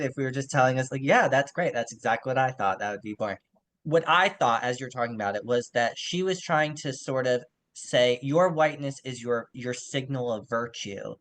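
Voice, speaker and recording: A man with a medium-pitched voice speaks as a podcast co-host in a casual literary discussion. He is conversational, qualifying his own points as he goes, and the audio quality is a bit poor.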